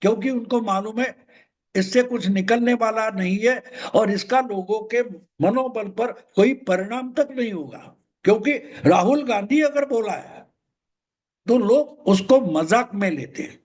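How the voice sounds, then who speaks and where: Older man, high emphatic commentary. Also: measured pace, a little mellow. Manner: emphatic, repeats points. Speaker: political commentator. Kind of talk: solo political commentary.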